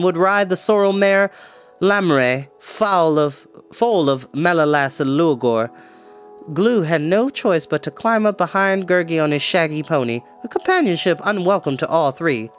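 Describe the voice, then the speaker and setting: A man reading a storybook aloud as an expressive narrator. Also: fairly high pitch, normal speed, soft background music. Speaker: storyteller, host.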